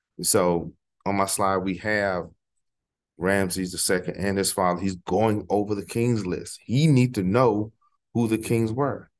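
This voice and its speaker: A man's normal speaking voice with ordinary pitch variation over a quiet background. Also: fairly low pitch for a man. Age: 40s. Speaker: podcast host teaching African history. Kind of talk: lecture. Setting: library.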